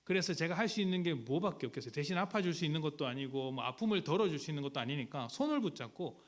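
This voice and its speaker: Animated, higher-voiced male pastor preaching. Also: fast talker. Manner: conversational, storytelling preaching with rhetorical questions. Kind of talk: sermon.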